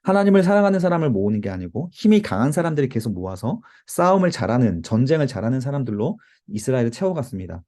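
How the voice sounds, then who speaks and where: A man's voice: mid-range voice, very animated, fast talker, few pauses, dark tone. A man teaching a Bible study to a youth group, explaining and exhorting while giving note-taking cues.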